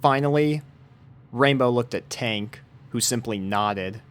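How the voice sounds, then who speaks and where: A young man reading a fan story aloud in a measured, gentle narration. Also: medium pitch. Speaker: fanfiction reader.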